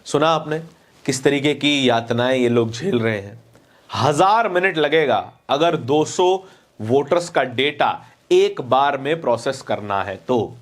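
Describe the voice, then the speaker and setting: A man's voice: medium pitch, animated, measured pace. A man presenting opinionated news commentary, speaking emphatically with repeated phrases and rhetorical questions.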